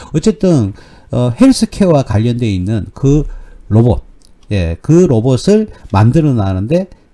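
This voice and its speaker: Breathing a little into his words, a man speaks in a dark, mellow tone with very wide pitch swings. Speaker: stock market commentator. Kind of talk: market analysis talk. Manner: fast.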